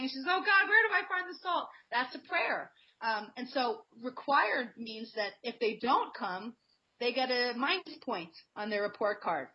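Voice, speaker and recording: A woman guest on a radio talk show, talking earnestly and conversationally and telling personal anecdotes. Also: a little high. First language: not Hebrew. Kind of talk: radio interview, personal storytelling. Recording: muffled lo-fi radio sound.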